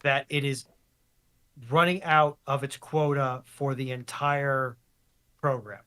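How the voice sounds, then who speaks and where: A man from the United States co-hosting a live stream, casually explaining technical matters in a halting, deliberate way. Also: mid-range voice, steady tone, pushed and bright, clean tone.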